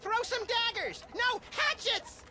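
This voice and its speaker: An actor voicing a manic, hyperactive rabbit-like male sidekick who is excitable and impulsive. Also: very high-pitched, takes it slowly, a loud crowd, full character voice. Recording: game audio under music.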